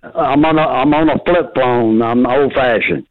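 A middle-aged man calling in on an old flip phone, talking in a halting, hesitant, folksy way. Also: medium pitch. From Bowling Green, Kentucky. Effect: old flip phone call line. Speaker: caller. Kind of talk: casual call-in chat. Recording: tinny flip phone line.

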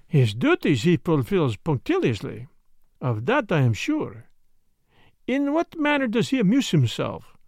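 A man's voice: fairly high pitch, huge pitch swings, a little mellow, no echo, studio quality, exaggerated voice. A man voicing a polite, self-important Belgian detective with a French-speaking Belgian accent and mannered, precise phrasing, in a storybook reading. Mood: inquiring, courteous. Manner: mannered, deliberate, foreign phrasing.

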